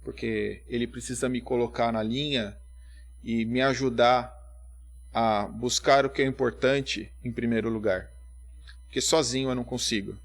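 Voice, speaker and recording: A man's voice: mid-range voice, steady tone, moderate pace. Man from São preaching. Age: 30s. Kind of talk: church sermon.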